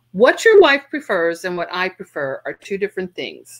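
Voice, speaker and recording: Against a quiet background, a woman with an American accent speaks at a moderate pace and a medium pitch with very wide pitch swings. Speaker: romance author. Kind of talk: reading aloud. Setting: video call on laptop. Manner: self-deprecating, scattered. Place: home room.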